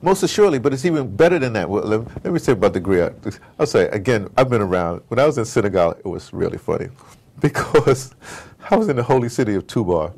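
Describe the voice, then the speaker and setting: A middle-aged man being interviewed, telling stories in a casual, animated way, repeating words and wandering off point. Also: on the low side, fast, gravelly, husky. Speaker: interviewed audio drama producer. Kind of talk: casual, digressive interview talk. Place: at his home base in New York.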